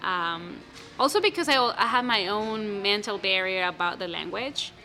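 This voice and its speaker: A young woman with a bright, clear voice talks about writing her first play. English is her second language, and she restarts often in an animated, casual way. Faint music plays underneath. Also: mid-range voice, normal speed, rough recording. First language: not English. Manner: animated, many restarts and fillers. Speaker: playwright guest. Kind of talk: casual interview answers.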